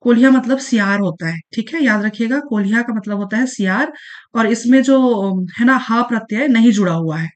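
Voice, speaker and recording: A woman teaching an exam-prep grammar lesson in a casual way, repeating key points and often pausing on fillers. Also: fairly high pitch. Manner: repeats points, frequent fillers and "ठीक है, याद रखिएगा".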